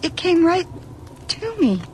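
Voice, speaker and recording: Young female college student, chatty, uneasy, halting, swooping intonation, radio play, faint noise. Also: very high voice, sing-song, dark tone, full character voice. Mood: spooked. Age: young adult. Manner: talkative, hesitant, halting. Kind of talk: old-time radio drama acting.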